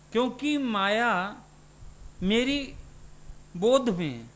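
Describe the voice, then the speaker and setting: Slow high-voiced man giving a sermon. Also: a bit bright. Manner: questioning, teaching to listeners. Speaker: spiritual teacher. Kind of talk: satsang sermon.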